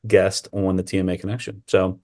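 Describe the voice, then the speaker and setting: Casual male podcast host, lowish voice, halting delivery full of fillers. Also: monotone, a little mellow. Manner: halting, many "uh" fillers and restarts.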